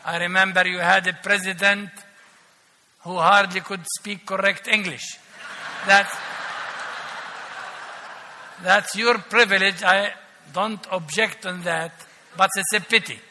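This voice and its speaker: Older man preaching, high and bright. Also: fairly even intonation, slight background noise. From Palestine. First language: Arabic. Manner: slow, emphatic delivery with ironic humor. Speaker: archbishop preaching as guest. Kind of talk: sermon. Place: large church. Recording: echoey church hall.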